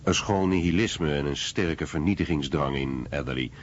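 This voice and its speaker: A man with a very deep voice reads a documentary voice-over translation. The recording is slightly muffled, with faint noise behind him. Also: normal speed.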